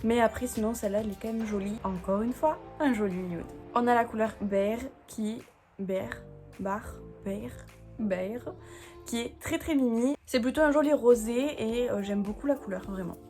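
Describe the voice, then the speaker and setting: A woman with a fairly high voice chats enthusiastically about nail polish, piling up fillers and praise. She reads colour names off a screen and trips over the English ones. Soft music plays faintly behind her. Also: normal speed. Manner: chatty, enthusiastic, many fillers and repeated praise. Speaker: beauty vlogger. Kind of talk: casual product showcase.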